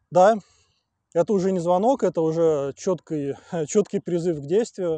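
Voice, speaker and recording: Against a quiet background, a man with a high pitch and a dark, mellow tone speaks at a fairly slow pace with ordinary pitch variation, the sound dry with no echo. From Russia, Saint Petersburg; Russia. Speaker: construction engineer. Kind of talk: interview testimony. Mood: serious, reflective. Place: garden. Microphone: lapel.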